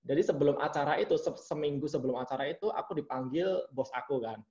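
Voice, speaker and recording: A man talks casually as an interview guest, telling his stories with animation. His voice sits a little high. The recording is dull and lo-fi. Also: fast. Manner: animated storytelling, acts out quoted bosses. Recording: muffled lo-fi audio.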